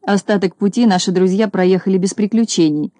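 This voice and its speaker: Woman reading a storybook in a dark voice. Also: medium pitch, brisk, no room sound. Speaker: narrator.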